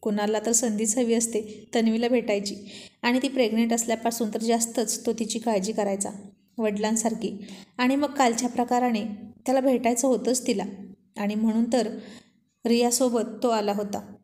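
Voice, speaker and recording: A woman reading a serialized romantic story aloud, voicing each character in her own voice with small lifts in pitch. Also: steady tone, moderate pace, mellow.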